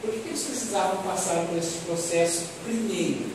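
A Brazilian man speaks in a high voice as he teaches at a religious talk. He repeats his phrases and puts rhetorical questions to his listeners. The sound is picked up from far off in a strongly reverberant hall, with clear background noise. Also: brisk. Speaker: speaker at a spiritist lecture. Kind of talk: expository religious lecture to an audience. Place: medium-sized meeting room, indoors. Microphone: distant audience camera. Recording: echoey hall, distant microphone, loud noise.

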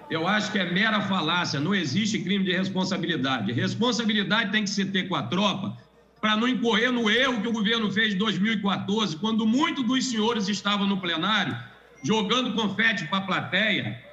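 High bright-voiced male legislator, emphatic. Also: highs cut off. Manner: emphatic, repeats points for weight. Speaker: state legislator. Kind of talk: formal parliamentary speech. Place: legislative chamber.

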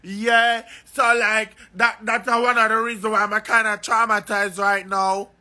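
Man for an emotional vlog rant; high-pitched, circles back to the same phrases again and again. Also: little pitch movement, a little slow, bright, forceful tone. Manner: rambling, repeats phrases over and over.

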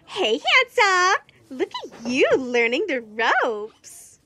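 Shrill, very high-pitched spiteful stepsister. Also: female voice, very animated, slow pace, sharp tone, full character voice. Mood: flirty. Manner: sugary, whiny, taunting.

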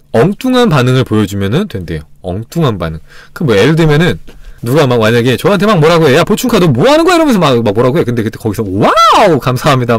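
A man hosting a self-help livestream, chatting casually and acting out little scenes with sudden loud exclamations. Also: medium pitch, no echo. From Korea.

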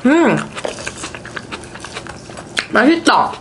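A woman's voice: high-pitched, sing-song, a little fast. A young woman vlogger in casual eating chat, murmuring appreciatively while she chews with her mouth full of chicken. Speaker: mukbang vlogger. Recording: clear background noise, clattering dishes.

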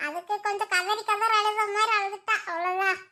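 A woman doing a shrill caring village aunt. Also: steady tone, fairly quick, bright, forceful tone. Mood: scolding, consoling. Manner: caring, scolding, homely. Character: older village women of a big family, caring and scolding. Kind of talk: cartoon voice acting.

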